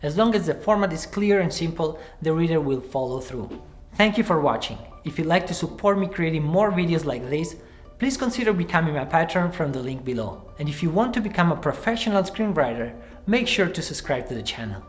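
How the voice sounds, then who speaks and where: A man in his thirties presenting a scripted screenwriting tutorial to camera from a small room, speaking in a clear, measured way. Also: a little high, expressive, faint music behind. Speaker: screenwriting teacher. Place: small room with cards pinned on the wall.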